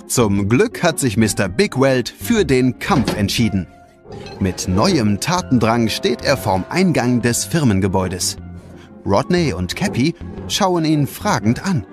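A man narrates a children's audio drama. His medium-pitched delivery is lively and expressive, in a scripted storytelling style. Loud music plays behind him. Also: a little slow.

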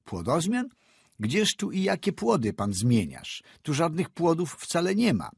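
A man's voice: on the high side, huge pitch swings, unhurried, gravelly, breathy edge, no echo, voice pushed up, heavily acted. A male narrator voicing a shrewd, ironic engineer who bargains coolly and mocks. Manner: cool, ironic, mocking.

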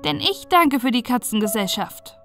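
A woman's voice: on the high side, lively intonation, normal speed, bright, forceful tone, faint music behind. A woman voicing a bossy, disdainful meadow in a fairy tale, with a haughty, warning manner.

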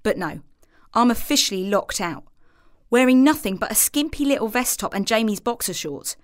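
A woman's voice: a little high, expressive, moderate pace, no echo, clean studio sound, close to an everyday voice. An actress playing a scrappy, exasperated young working-class woman with a London accent, confiding in a stage monologue. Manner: confiding, colloquial storytelling.

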